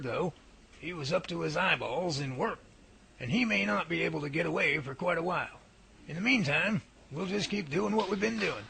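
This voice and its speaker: A man's voice: a little high, creaky, sharp tone, slightly rough, exaggerated voice. A man playing an enthusiastic professor who researches Bigfoot, talking in a folksy, emphatic way in an amateur radio drama.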